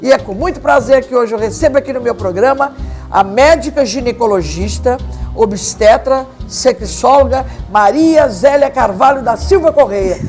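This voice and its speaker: A woman's voice: on the high side, normal speed, a little mellow, faint music behind. A woman hosting a local TV talk show, effusive and complimentary as she introduces and questions her guest. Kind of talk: warm effusive TV interview.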